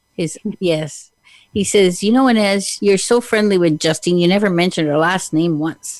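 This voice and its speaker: Ordinary pitch variation marks this moderate-paced delivery in an ordinary speaking voice. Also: woman. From Canada. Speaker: radio show host and hypnotherapist. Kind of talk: casual interview chat.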